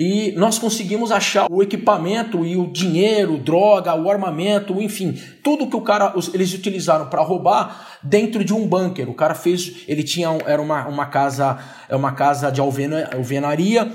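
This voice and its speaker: Lively intonation and a high pitch from a man talking at a moderate pace. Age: 50s. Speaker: security company executive, former military police officer. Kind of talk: interview.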